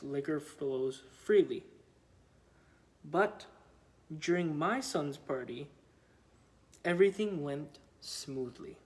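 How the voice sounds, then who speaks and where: A man reads a devotional testimony aloud at a very slow pace. His voice sits a little high for a man, and his phrasing is measured and somewhat halting. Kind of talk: slow read-aloud of a written devotional account.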